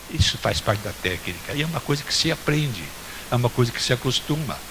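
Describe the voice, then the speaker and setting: A man talks at medium pitch. Noticeable background noise runs behind him. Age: 90s. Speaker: spiritist lecturer. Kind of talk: lecture.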